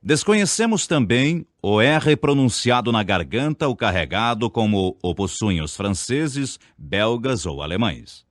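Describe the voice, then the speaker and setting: A Brazilian man reads a scripted diction lesson, sounding every syllable of his examples with care. His low voice moves through a wide, lively range. The recording is close and dry. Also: no echo. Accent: Brazilian Portuguese. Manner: deliberate, over-enunciates example words. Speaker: speech teacher.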